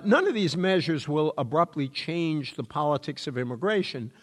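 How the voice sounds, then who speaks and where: A man from New England whose first language is French, reading a prepared lecture at a measured pace with frequent ums and uhs. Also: on the high side. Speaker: speaker giving a public lecture. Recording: long hall reverb.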